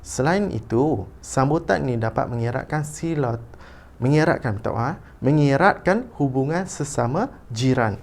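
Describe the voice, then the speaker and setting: A man's voice: medium pitch, animated, moderate pace, close to an everyday voice. A man with a Malaysian Malay accent reading the part of a caring father who explains things to his family. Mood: earnest. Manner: earnest read-aloud.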